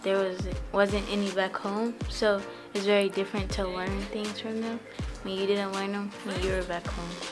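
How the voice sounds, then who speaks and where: A woman's voice: mid-range voice, level tone, moderate pace, music in the background. A woman guest speaking hesitantly with many fillers.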